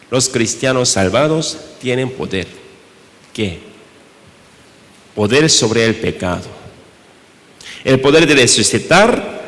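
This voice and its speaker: Korean-accented male pastor, measured unhurried sermon, lowish voice, echo of a church hall. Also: fairly bright tone. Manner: slow, halting delivery with rhetorical questions.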